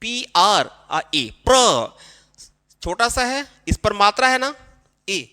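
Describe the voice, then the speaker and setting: A man teaching a spelling lesson to young children, explaining slowly and repeating himself. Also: sits high, very animated, sharp tone, big-room sound. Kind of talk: classroom-style spelling lesson.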